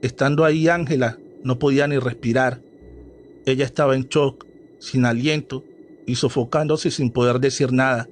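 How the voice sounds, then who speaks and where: A man's voice: mid-range voice, a little hiss or hum. Man narrating a horror story. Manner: dramatic storytelling. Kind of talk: scripted narration.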